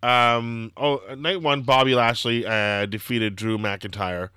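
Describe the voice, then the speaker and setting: A young man with a slightly hoarse, throaty voice, hosting a casual wrestling podcast and rambling excitedly with lots of fillers. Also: mid-range voice, slow, no room sound. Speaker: podcast host.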